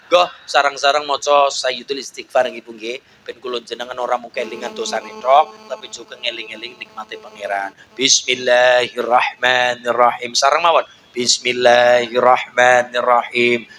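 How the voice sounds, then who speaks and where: Javanese guy preaching, bright voice, big jumps in pitch, a bit of room noise. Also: unhurried, rough recording. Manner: animated, swings into high shouts, chanted Arabic prayers. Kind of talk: sermon with prayers and jokes.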